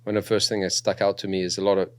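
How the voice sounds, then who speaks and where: Speaking very fast in a low, clean-toned voice with no room sound, a young man from South Africa recounts his story as a podcast guest. His South African accent carries some New Zealand influence, and his casual, relaxed telling is packed with fillers.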